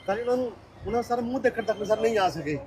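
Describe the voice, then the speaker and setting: A man's voice: high voice, fast, darkish tone. Older man, deferential and tearful. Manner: deferential, says sir often, tearful. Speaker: husband of the woman.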